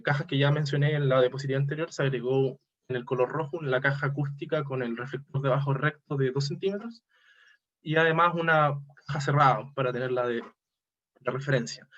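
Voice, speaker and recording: A man gives a technical conference presentation over slides, halting and often correcting himself as he goes. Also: medium pitch, fairly bright tone, lo-fi sound. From Chile. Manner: halting, self-correcting, hesitant delivery. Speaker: academic presenter.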